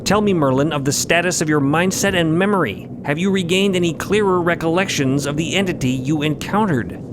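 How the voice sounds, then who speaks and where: A man plays a solemn, courteous horned elder of an otherworldly order in a fiction podcast. His voice sits a little high and his diction is ornate and measured, over clearly audible ambient noise. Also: lightly acted. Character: formal, veiled horned supernatural male elder, solemn and courteous.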